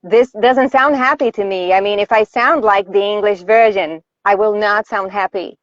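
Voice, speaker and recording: A woman's voice: mid-range voice, moderate pace, no room sound. Brazilian woman on a dull, dry line. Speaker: voice actor guest. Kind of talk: live online interview.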